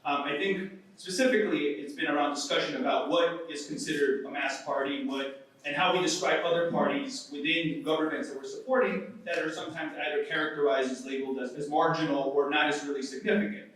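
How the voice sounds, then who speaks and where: A man's voice: a little high, fairly bright tone. A man from Ecuador stands in the audience and asks a long question. He speaks hesitantly, with frequent ums. He sounds distant, caught by a room mic in a strongly echoing hall. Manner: halting, many "um" fillers and restarts. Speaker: audience member asking a question. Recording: echoey hall from far off.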